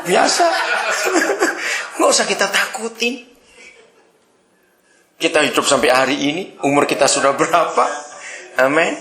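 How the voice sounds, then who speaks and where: A male pastor delivers a sermon in a lively, teasing manner, often laughing with the congregation. His voice sits high and bright and leaps around in pitch. The sound is roomy, as if recorded in an echoing church hall.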